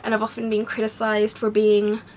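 A young woman vlogger, hoarse from a cold and losing her voice, talking candidly and wryly to the camera in a small room. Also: medium pitch, moderate pace, slight background noise. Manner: rambling, candid, wry and animated. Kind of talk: casual talking-to-camera vlog. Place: small home bedroom, indoors.

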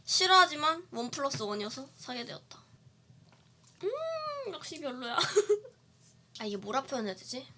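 Bright, lively woman streamer. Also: high-pitched. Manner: playful, chatty, answering viewer comments. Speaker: live streamer. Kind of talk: casual live-stream chat. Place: dim room. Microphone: webcam streaming setup.

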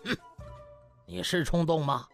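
A man's voice: fairly high pitch, unhurried, creaky, a bit bright. A man voicing a stern, authoritative old doctor with a haughty, reproachful manner in an audiobook. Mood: cold scolding. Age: older. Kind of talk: audiobook character acting. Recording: music behind the voice.

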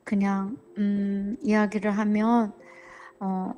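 A woman in her forties, a church member telling her family troubles in a counseling interview, talking slowly and hesitantly. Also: mid-range voice, flat delivery. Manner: slow, hesitant, soft-spoken.

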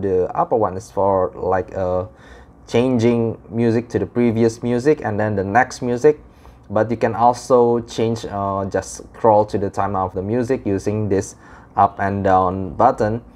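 A young man from Indonesia with an Indonesian accent gives a casual, unscripted product review in halting, explanatory English. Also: fairly low pitch, darkish tone. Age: young adult. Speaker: audio gear reviewer.

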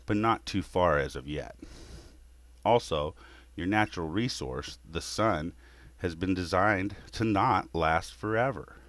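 A man voicing a weary creator god in a scripted monologue, lecturing humanity in a scornful, measured way. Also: deep voice, no echo.

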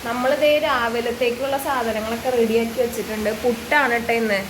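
Young woman, high voice, casual home vlog, faint rain noise behind. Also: steady tone, brisk. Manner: chatty, sing-song baby talk with her toddler. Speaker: vlogger and mother. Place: home on a rainy day.

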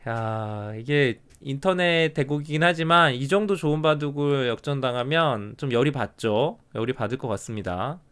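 Smooth-voiced man commentating a Go game. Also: medium pitch, moderate pace, few pauses, a bit bright. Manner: counts territory under his breath, then exclaims at turns.

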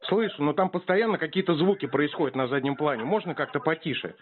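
Over a tinny, noisy phone line with clicks, a prank caller responds to a telemarketer. His voice is fairly high and quick, and he chats casually in a rambling, slangy, provocative way.

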